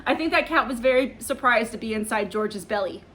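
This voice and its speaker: A woman's voice: fairly high pitch, lively intonation, fairly quick, fairly bright tone. A young woman reading a picture book to children, asking them questions in a cheerful, sing-song teacher manner. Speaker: children's storytime reader.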